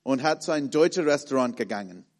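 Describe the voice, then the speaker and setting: A man in his thirties with an American accent, preaching in a halting way with many fillers and restarts as he searches for words. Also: medium pitch, lively intonation. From born in Malaysia, raised in the USA and the Philippines. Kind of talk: sermon with personal story.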